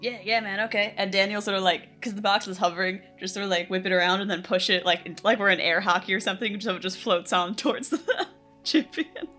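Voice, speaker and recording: A woman's voice: mid-range voice, fast, sharp tone, faint music behind. Giggly woman player. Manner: giggly, enthusiastic. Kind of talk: casual tabletop play.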